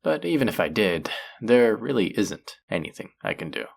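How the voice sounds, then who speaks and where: A man voicing a flirty, possessive demon casino worker in a roleplay audio drama, teasing and taunting with seductive, drawn-out phrasing. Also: fairly low pitch, sing-song, vocal fry, heavily acted. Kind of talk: scripted roleplay audio drama addressed to the listener.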